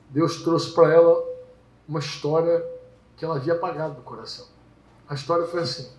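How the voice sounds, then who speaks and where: A man preaching at a small home gathering, telling stories lively and acting out characters. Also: a little high. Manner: lively storytelling, acts out characters. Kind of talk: sermon. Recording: echoey room.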